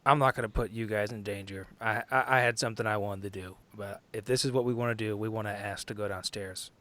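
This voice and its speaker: Hesitant low-voiced male player. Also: steady tone, fast. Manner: hesitant, hedging, drops to hushed tones. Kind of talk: tabletop game play, casual chat.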